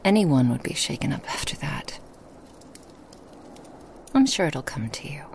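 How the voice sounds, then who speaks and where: A woman playing a lonely, hospitable woman in a remote forest cabin, speaking softly and coaxingly in a half-whisper to the listener. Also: deep voice, animated, measured pace, gravelly, slight background noise, heavily acted. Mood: gentle. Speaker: ASMR roleplay performer. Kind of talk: ASMR roleplay, whispered to the listener.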